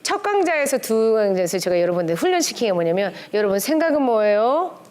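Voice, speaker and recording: A middle-aged woman with a somewhat high voice teaches a church class in a relaxed, conversational way. She keeps things lively, slipping into different tones to act out bits of dialogue. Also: quick pace. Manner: lively, acts out quoted dialogue with shifting tones. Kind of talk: conversational lecture on family relationships.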